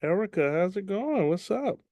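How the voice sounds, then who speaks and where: Man with a slightly raspy, dry voice. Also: sits high, normal speed, dry recording. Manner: relaxed, chatty, many ums. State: slightly raspy from much teaching. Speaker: real estate trainer. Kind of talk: online class instruction. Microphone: video call.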